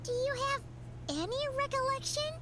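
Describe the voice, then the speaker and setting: An actress voicing a tiny, caring, cautious and chatty companion in a video game, squeaky and expressive. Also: female voice, normal speed, very noisy. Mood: concerned.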